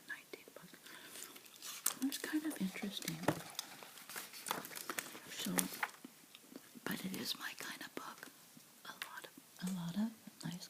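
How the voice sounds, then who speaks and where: A woman reads a picture book aloud in a hushed ASMR whisper, lingering fondly over each picture. Her low voice carries a gravelly fry, and she sounds unhurried and gentle throughout. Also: low-quality recording. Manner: slow, soft, doting commentary on the pictures.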